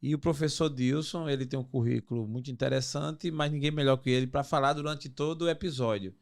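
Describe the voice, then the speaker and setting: A man's voice: medium pitch, brisk. A man, hosting a podcast in an effusive, blessing-filled chat. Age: 50s. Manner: effusive, warm greetings and blessings. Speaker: podcast host. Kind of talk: casual interview chat.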